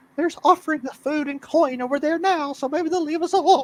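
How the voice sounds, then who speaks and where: A man's put-on character voice, extremely high in pitch, at a fairly quick pace. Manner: fearful.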